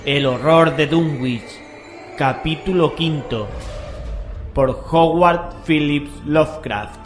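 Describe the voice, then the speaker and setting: Male horror radio announcer over clear music. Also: a little high, slow. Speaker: radio announcer reading titles and credits. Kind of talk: scripted radio drama announcement.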